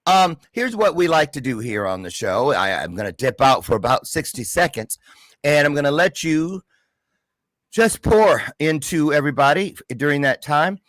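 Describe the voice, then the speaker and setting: A man's voice: a little high, very animated, normal speed, a bit bright, dry recording. A man hosting a casual livestream interview show in an exuberant, playful, slangy way. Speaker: show host.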